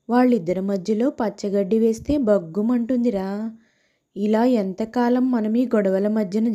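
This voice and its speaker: A woman's voice: mid-range voice, dark tone, pitched below the performer's own voice, lightly acted. A woman voicing a grown man, an exasperated husband who grumbles about the quarrels at home, in a cartoon story.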